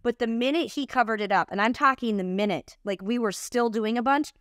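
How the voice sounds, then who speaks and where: A woman's voice: on the high side, fairly quick, no echo, clean studio sound. A woman hosting a podcast, speaking candidly and confessionally in casual chat, often restarting her sentences. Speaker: podcast host.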